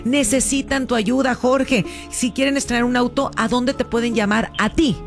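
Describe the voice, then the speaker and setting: A woman's voice: fairly high pitch, steady tone, normal speed, gravelly, faint music behind. A woman hosting a radio show, enthusiastic and upbeat. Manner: enthusiastic, warm greetings. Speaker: radio host.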